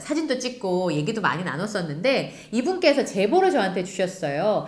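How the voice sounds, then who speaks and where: A woman speaks at a moderate pace with very wide pitch swings. Noticeable background noise sits behind her. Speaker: YouTube news-style host. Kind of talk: anchor-style introduction to camera.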